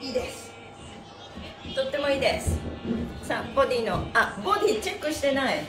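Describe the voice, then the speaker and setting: Casting: middle-aged female exercise host, fairly high voice, bubbly and playfully polite, roomy live-stream sound over music. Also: a little fast. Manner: bubbly, animated, playfully polite, addressing body parts and objects with honorifics. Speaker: stretching class host and mime teacher. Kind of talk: upbeat live exercise lesson, chatting and counting out moves. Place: small room with mat on the floor, indoors. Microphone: phone or camera a metre or two away.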